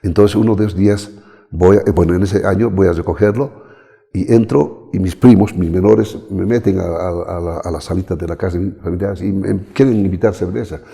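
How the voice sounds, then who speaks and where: A middle-aged man with a Bolivian accent tells his story as an interview guest, with a very deep, gravelly voice. His tone is dark and mellow, and he brings the people he quotes to life. A long reverb trails behind his words. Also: fairly quick. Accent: Bolivian Spanish. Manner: animated, acts out quoted voices.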